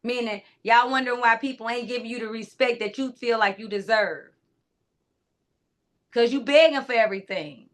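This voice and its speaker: Loud high-voiced woman coaching. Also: moderate pace. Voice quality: naturally high-pitched voice. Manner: loud, emphatic, talks straight to listeners; casual with frequent asides. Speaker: clarity coach. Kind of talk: motivational solo talk.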